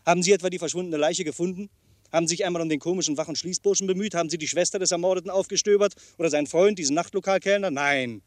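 A sardonic male noir detective, played by an actor in a crime drama. He talks fast in a slightly high voice, dry and close, needling with impatient sarcasm. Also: dry recording, close to an everyday voice. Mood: brisk, needling. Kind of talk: German crime drama acting.

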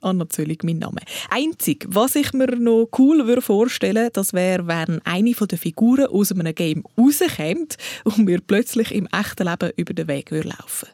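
A woman's voice: medium pitch, expressive, moderate pace, dark tone, no echo, clean studio sound. A woman who talks directly to the listener as she introduces a children's story. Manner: chatty, addresses the listener directly. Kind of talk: scripted narration for children.

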